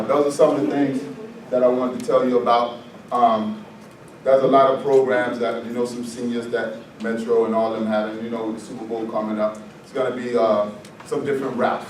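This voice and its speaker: A man from the U.S. Virgin Islands, a fire department presenter, giving a chatty, joking safety talk to a seated group in a meeting room. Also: mid-range voice. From U.S. Virgin Islands (St. Croix). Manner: joking, chatty, loose and conversational. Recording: echoey room, mic far off, noisy background.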